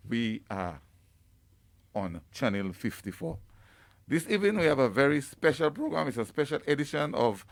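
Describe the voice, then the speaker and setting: A man hosts a live political radio program, speaking at a middle pitch. His delivery is formal and announcer-like, with small restarts. The studio sound is dry and close. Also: no echo. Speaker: radio talk show host. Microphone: studio microphone.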